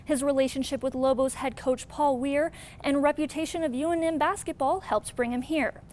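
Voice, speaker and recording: High-pitched American woman anchoring sports news. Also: fairly even intonation, normal speed, a little mellow, slight background noise. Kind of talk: scripted sports newscast narration.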